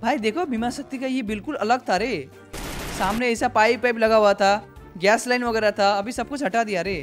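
A young man with a high voice reacts to game footage in a chatty, excitable way, often calling out to his viewers. A little background music plays faintly behind him. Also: normal speed. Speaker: gaming YouTuber. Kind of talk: casual game reaction commentary.

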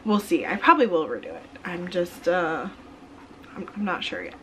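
A woman's voice: fairly low pitch, sing-song, moderate pace, a little hiss or hum, rough recording. A woman in her thirties talking casually at home, rambling with fillers and restarts as she walks through her shopping. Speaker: vlogger. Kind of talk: casual haul vlog. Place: home kitchen, indoors.

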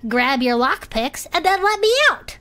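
A woman voicing a gentle, earnest creature with a shell garden, sweet and a little fussy, in a comedic audio drama. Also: sits high, animated, moderate pace.

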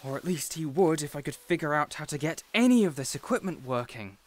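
A man's voice: on the high side, expressive, a little fast, close to an everyday voice. A man playing an earnest, protective supervillain boss in an audio roleplay, dramatic and easily exasperated. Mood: indignant, exasperated. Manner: earnest, exasperated, wholesome mild oaths. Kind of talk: audio roleplay addressed to the listener.

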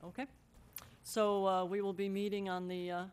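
Chairing a council meeting from the chamber, the mayor, a middle-aged American woman, speaks casually into a gooseneck desk mic. Her mid-range voice is smooth and a touch mellow, delivered in a level tone at a moderate speed.

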